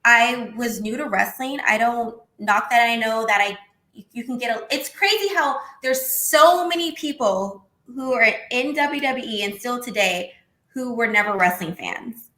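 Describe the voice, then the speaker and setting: A woman in her thirties with a high-pitched voice, talking in a casual, outspoken way as a guest on a video call interview. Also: measured pace. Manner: animated, outspoken, swears casually. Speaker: interview guest, former wrestler. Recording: echoey room.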